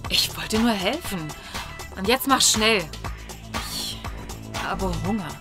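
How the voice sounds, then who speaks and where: A woman's voice: medium pitch, lively intonation, slow pace, loud music behind the voice. Curt, impatient girlfriend played by an actress. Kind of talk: audio drama acting.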